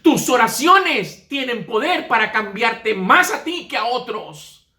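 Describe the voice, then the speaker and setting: A man preaching a sermon, telling a story in an animated, emphatic way. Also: very high voice, slow, roomy sound.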